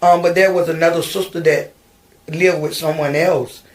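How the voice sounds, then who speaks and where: A podcast guest in a studio, this middle-aged woman from Virginia, USA, narrates her life in an interview, with many ums and restarts along the way. Her voice sits low and has a somewhat dark, steady tone, and she keeps a moderate pace.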